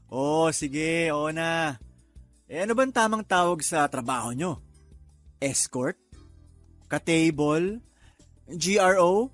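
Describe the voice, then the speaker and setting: A high-pitched, sleazy, taunting young man. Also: lively intonation, fairly bright tone, no room sound, soft background music. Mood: mocking. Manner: mocking, goading, chuckling, drawn-out teasing. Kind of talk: Tagalog radio drama acting.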